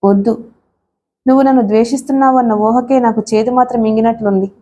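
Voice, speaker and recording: A woman voicing a devoted older husband in a wheelchair, speaking gently and pleadingly in an audiobook. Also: on the high side, fairly even intonation, fast, close to an everyday voice. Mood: tender. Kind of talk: audiobook character reading.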